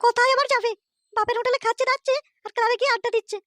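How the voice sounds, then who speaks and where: A woman's voice: very high-pitched, fairly even intonation, rapid-fire, a bit bright, dry recording, soft background music. A woman voicing a young married daughter in a cartoon, weary and dutiful toward her father. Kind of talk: cartoon voice acting.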